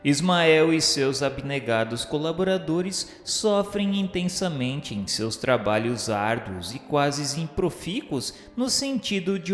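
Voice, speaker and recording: A man with a Brazilian accent narrating a scripted radio drama in a solemn, formal, literary way. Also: medium pitch. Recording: echoey long reverb, music behind. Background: music.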